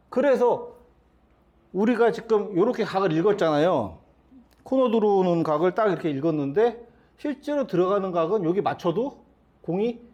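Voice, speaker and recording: Man, middle-aged, billiards coach; high, animated voice, talks through each shot with questions. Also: highs cut off. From South Korea. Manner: explains step by step with many rhetorical questions. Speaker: billiards instructor. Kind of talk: demonstration lesson.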